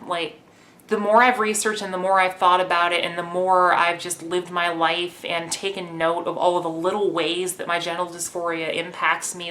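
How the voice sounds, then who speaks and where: A young woman talking candidly in a personal video diary, chatty and excited, with a few nervous laughs. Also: on the low side, slight background noise. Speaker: vlogger.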